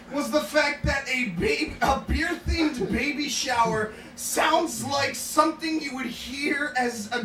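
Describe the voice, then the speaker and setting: A man doing a stand-up bit, telling a story with loud, punchy joke delivery. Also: very high voice. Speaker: stand-up comedian. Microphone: far from the mic. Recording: echoey room from far off, noisy.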